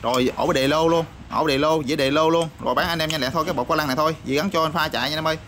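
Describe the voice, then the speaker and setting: A man showing off used motorbike parts in a rapid, repetitive sales patter full of fillers. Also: fairly high pitch, steady tone, a bit bright. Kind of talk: casual product showcase sales patter. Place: parts shop or workshop. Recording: noisy backdrop with passing vehicles.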